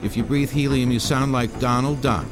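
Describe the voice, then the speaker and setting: A man's voice: medium pitch, steady tone, normal speed. A man with an American accent reading scripted documentary narration as the narrator. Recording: music bed under narration.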